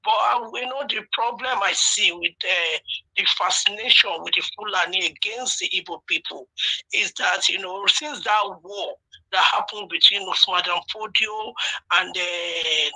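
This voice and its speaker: A woman's voice: mid-range voice, normal speed, bright, forceful tone, poor audio. A woman with a southern Nigerian accent calling a talk show to give an earnest political opinion. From Delta State, Nigeria.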